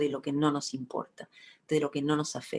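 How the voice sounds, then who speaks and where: The voice belongs to a woman. The sound is dry and close, with no echo. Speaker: speaker on emotions. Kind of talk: talk to a live audience.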